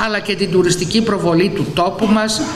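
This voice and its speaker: A woman's voice: medium pitch, steady tone. Older female speaker, careful formal reading, roomy hall sound. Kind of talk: formal read speech. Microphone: podium microphone. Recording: echoey hall, faint noise.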